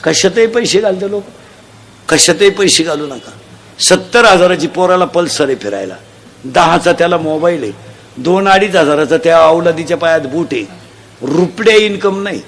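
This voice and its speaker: A man preaching a humorous devotional sermon, loudly quizzing the children in the crowd and mocking bad habits. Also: on the high side, lively intonation, normal speed, slight background noise. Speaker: kirtan preacher.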